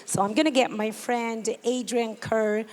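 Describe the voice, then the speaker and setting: A woman award recipient, hoarse from a cold, giving brief, grateful thanks. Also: a little high, flat delivery, unhurried, a little mellow. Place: banquet hall. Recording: long reverb in a large hall.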